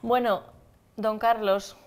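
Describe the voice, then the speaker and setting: A woman's voice: fairly high pitch, fairly even intonation, takes it slowly. A woman with a Spanish accent from Spain, hosting a studio talk show and chatting with guests, often murmuring agreement as they speak. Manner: conversational, frequent murmured agreement.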